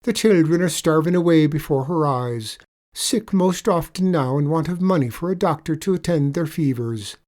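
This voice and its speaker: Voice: mid-range voice, lively intonation, moderate pace, a little mellow, pitched above the performer's own voice, natural voice. A storyteller voicing a sly, wheedling male leprechaun with an Irish accent, spinning a pitiful tale in a storybook reading.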